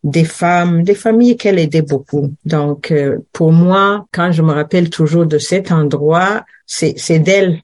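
A woman's voice: low-pitched, measured pace, few pauses, a little mellow. An older woman from Rwanda answering in an interview, repeating words as she gathers her thoughts and recollections. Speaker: interview guest, director of a women's centre.

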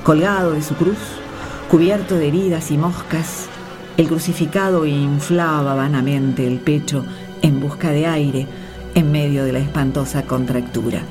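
A woman's voice: low voice, fairly even intonation, a little slow, over music. A woman playing a grown daughter who narrates grim memories solemnly in a radio play. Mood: solemn, vivid. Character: caravan leader's grown child recounting grim memories. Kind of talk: dramatic first-person narration in a radio play.

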